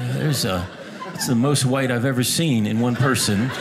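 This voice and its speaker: At a fairly quick pace, a man with a medium-pitched voice talks against noticeable background noise. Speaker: stand-up comedian. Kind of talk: stand-up comedy. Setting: stage with audience. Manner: animated; self-deprecating. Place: stage. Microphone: handheld.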